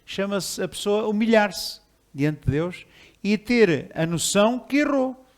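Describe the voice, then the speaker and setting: Animated pastor preaching casually. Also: male voice, high-pitched, unhurried. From Portugal. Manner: conversational, animated, with chuckles and repeated restarts. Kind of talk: sermon.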